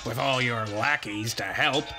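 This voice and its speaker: An actor in an audio drama playing an old, boastful, honour-bound river errant who speaks in archaic, folksy heroic bluster. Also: male voice, mid-range voice, a little slow, natural voice. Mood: defiant. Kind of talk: audio drama acting and first-person storytelling. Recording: dramatic music behind the voice.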